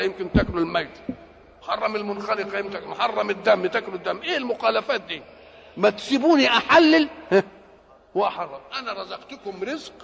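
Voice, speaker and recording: Egyptian man preaching with a high, gravelly voice. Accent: Egyptian Arabic. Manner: asks rhetorical questions and answers them himself. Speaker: religious lecturer. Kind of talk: sermon explaining scripture. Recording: dull lo-fi recording with long hall reverb.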